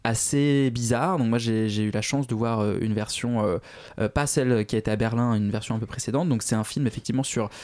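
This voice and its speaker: A man's voice: medium pitch, a little fast, darkish tone. Hesitant man with lots of filler. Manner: hesitant, many fillers and self-corrections, self-mocking. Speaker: film news columnist on a radio show. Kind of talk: casual radio chat.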